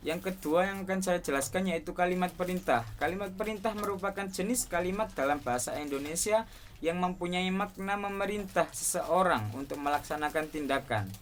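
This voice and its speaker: A man's voice: sits high, brisk, a little hiss or hum. A young man, a student, reading a class presentation aloud and steadily listing points one by one. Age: young adult.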